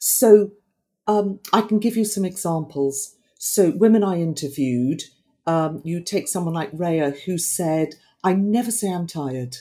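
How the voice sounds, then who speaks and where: A woman with a dark, mellow tone and lively intonation, on a very clean recording with a silent background. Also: fairly low pitch for a woman, fairly slow pace. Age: 50s. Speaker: leadership coach and author. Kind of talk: interview.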